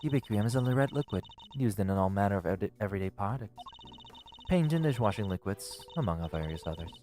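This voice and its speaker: A man's voice: lowish voice, animated, fairly quick, warm tone, faint music behind, lightly acted. A man voicing a smug, pompous judge with formal diction in a live reading of a game. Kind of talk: live voiced game playthrough.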